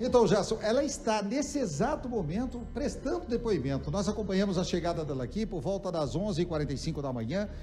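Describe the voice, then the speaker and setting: A man keeps a moderate pace while faint music plays behind him. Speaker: TV news reporter. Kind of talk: live news report. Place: station. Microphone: handheld.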